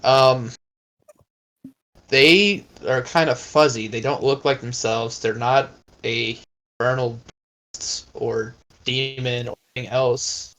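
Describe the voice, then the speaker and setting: A man's voice: medium pitch, fairly even intonation, takes it slowly, fairly bright tone. Hesitant man at a tabletop game. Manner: hesitant, stammering restarts. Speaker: player. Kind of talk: casual tabletop game talk.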